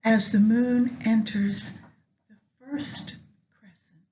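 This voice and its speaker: A woman leading a guided meditation with astrology, speaking gently and in measured short phrases with long pauses. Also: fairly high pitch, steady tone. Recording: dull lo-fi sound, faint background noise.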